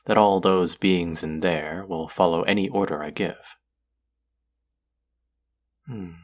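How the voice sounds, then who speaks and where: A man playing an aloof, lonely lord of the underworld who is secretly soft, speaking formally and wryly to the listener in an intimate audio roleplay. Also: low voice, fairly even intonation, slow. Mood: imperious, curious. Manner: formal, wry, guarded, addressing the listener directly.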